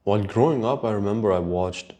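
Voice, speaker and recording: A man with an Urdu-influenced South Asian accent chatting casually as a solo podcast host, rambling in a halting, sweary way. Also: fairly low pitch, dark tone.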